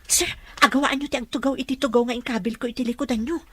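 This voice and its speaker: A woman's voice: high voice, steady tone, fast, slightly rough. An actress in an Ilocano radio drama playing an earnest, deferential female caregiver. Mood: straining, urgent.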